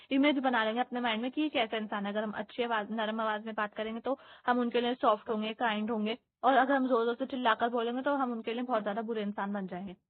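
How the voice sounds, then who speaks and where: A fairly high-voiced woman explaining textbook material for an exam, step by step, with frequent "uh" fillers and restarts. The sound is thin and tinny, like a phone line. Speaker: teacher.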